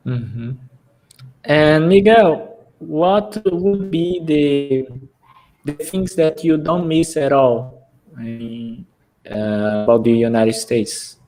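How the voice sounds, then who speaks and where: Slow, hesitant host, higher voice. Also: male voice, darkish tone, poor audio. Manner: hesitant, laughs often. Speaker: interview host. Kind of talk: live stream interview.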